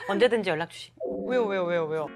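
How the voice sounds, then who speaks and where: A woman's voice: medium pitch, racing, music in the background. A woman broadcaster on a talk show panel, reacting playfully and teasing in a TV studio.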